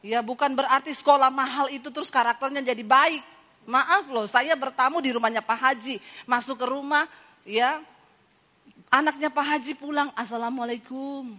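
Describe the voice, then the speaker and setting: A woman preacher giving a lively sermon, telling stories and mimicking the voices of the people in them. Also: sits high, moderate pace. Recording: hall reverb.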